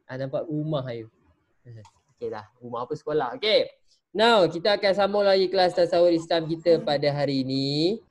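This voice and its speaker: Telling a story in his online religious studies class, a man speaks briskly in a fairly high voice to the children on the video call. He's animated, talking right to them and breaking off often with questions.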